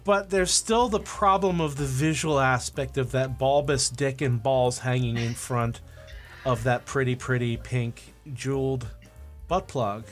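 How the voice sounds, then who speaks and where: A man's voice: mid-range voice, steady tone, measured pace, soft background music. A man co-hosting a comedy podcast, chatting casually in a blunt, rambling, self-deprecating way. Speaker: podcast co-host.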